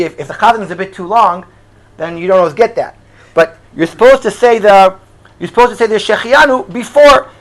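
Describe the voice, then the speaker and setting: A man's voice: high-pitched, low-quality recording. A man from Israel, a Hebrew speaker, giving an informal religious class as a rabbi, in a conversational, questioning way sprinkled with Hebrew and Yiddish terms. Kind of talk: informal religious lecture to a live group.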